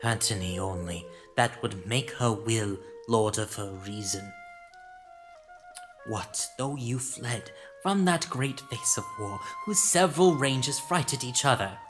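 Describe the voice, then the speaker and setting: A man voices a blunt veteran Roman soldier in Shakespearean audio drama. He takes his time over each phrase in a middle-pitched, wryly cynical voice. There is music underneath. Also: lively intonation, slow. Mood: blunt, reproachful.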